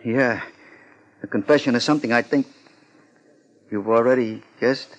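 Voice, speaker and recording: A man's voice: medium pitch, moderate pace, close to an everyday voice, low-quality recording. Guy doing a jittery small-time crook from old radio drama, slangy, ordinary mid voice. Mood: uneasy, confessing. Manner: slangy, plain-spoken. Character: nervous male small-time swindler coming clean. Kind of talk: 1950s radio acting.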